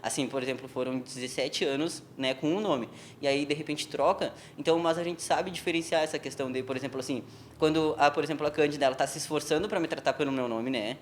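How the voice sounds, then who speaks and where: A man's voice: fairly high pitch, fast talker, a little hiss or hum. A young man telling a personal story in a TV interview, informal, with frequent tag questions. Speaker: interview guest. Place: television studio.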